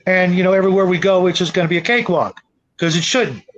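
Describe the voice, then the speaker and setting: A man talking casually in a group discussion, halting a little as he thinks aloud. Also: high-pitched, muffled recording, slight background noise. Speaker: panelist leading a tabletop gaming discussion.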